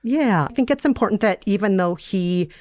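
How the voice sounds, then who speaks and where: Woman, relaxed podcast storyteller, close dry sound. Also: mid-range voice, normal speed, dry recording. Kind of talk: relaxed chat and reading aloud from own fiction.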